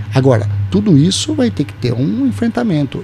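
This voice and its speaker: Noticeable background noise fills the clip. Over it, a man speaks with lively intonation. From Piracicaba, São Paulo state, Brazil. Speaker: state legislator, former mayor. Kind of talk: interview. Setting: studio. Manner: hesitant, many fillers.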